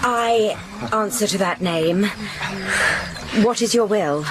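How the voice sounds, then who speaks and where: A sharp-tongued young woman, voiced by an actress trading teasing retorts in a stage comedy. She speaks very slowly and deliberately, over a clear background hiss. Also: medium pitch, close to an everyday voice.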